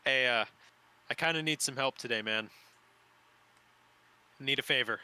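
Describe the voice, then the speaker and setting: Casual guy playing his character, super bright voice, mid pitch. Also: measured pace, smooth. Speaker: player. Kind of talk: tabletop role-play.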